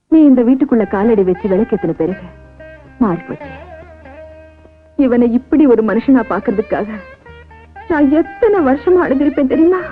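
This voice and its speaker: A remorseful, emotional elder sister. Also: female voice, on the high side, phone-quality sound. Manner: heartfelt, emotional pleading. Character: older sister figure, remorseful bootlegger woman. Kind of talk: 1990s Tamil film acting.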